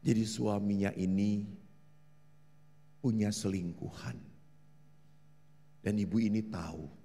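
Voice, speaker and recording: A man's voice: on the low side, slow, warm tone. A man preaching a humorous sermon to a family seminar as a Catholic priest, quizzing the audience. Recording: long hall reverb.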